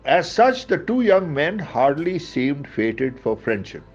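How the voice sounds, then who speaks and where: A man's voice: on the high side, sing-song, slow. A man with a South Asian accent reads a book aloud as a storyteller, theatrical in delivery, with conversational asides. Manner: theatrical, hesitant in asides, switches between English and Urdu. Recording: dull lo-fi audio with background music. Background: music.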